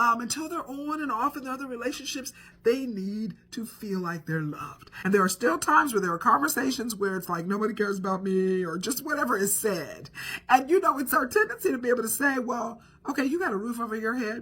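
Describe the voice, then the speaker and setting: With a bright, sharp tone and a fairly high pitch, a woman talks at a very fast pace with lively intonation. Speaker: devotional video host. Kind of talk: casual devotional talk. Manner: slurred speech; low energy.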